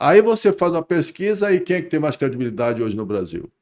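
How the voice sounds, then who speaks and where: A man talks at a fairly quick pace with lively intonation. Vocal fry runs through his voice. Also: dry, close sound with no echo. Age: 60s. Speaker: podcast host. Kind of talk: conversational interview. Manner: animated.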